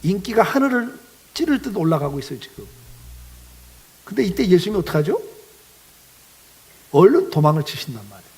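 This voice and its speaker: Pastor guy preaching, high voice swinging all over, acts out the quotes, keeps asking the church questions. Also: very animated, a little fast, long pauses, a little mellow, poor audio. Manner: dramatic storytelling, acting out quoted voices; asks the congregation questions. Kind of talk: sermon.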